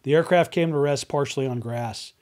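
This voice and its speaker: Middle-pitched man narrating a script. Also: a little fast, a little mellow. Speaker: aviation video host. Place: indoor studio. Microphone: desk microphone on boom arm.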